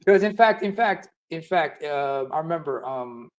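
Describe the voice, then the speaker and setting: A man on a casual panel chat, teasing the others and trailing off into quieter asides. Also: on the high side, lively intonation, moderate pace. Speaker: panel guest.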